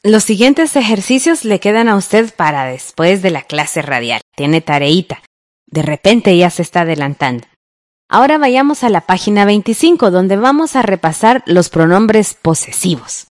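A woman leads listeners through exercises on a radio lesson, friendly and guiding. Her mid-pitched voice sounds close and dry, with no room around it. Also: very animated, moderate pace, no echo. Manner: friendly, guiding, asks the listener to follow along. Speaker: radio teacher, co-host.

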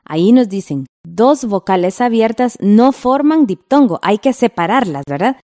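Mellow-voiced woman teaching slowly. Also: a little high, animated. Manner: slow, patient, drawing out example words. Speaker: radio class teacher. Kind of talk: scripted radio lesson.

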